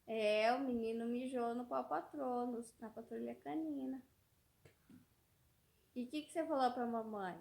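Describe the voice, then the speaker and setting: A woman's voice: on the high side, fairly even intonation, normal speed, gravelly, darkish tone. A woman in her thirties from Brazil, telling a rambling everyday story to her vlog audience, often repeating words and trailing off. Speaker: mother vlogger.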